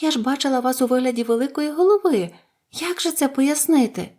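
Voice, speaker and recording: A woman's voice: high-pitched, animated, fairly quick, mellow, voice pushed up. A woman voicing an earnest young girl in a children's audiobook, exclaiming indignantly. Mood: puzzled.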